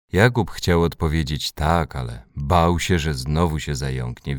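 Mężczyzna, bardzo niski głos, żywa intonacja, czyta bajkę dla dzieci, suche nagranie. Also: male voice, extremely low pitch, darkish tone, no echo, studio quality. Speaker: audiobook reader. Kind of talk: children's storybook narration.

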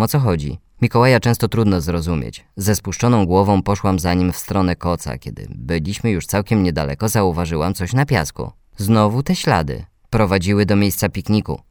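Low-voiced guy reading a kids' story, gentle and steady, dry close sound. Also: no room sound. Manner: gentle, measured reading to children. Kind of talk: children's story narration.

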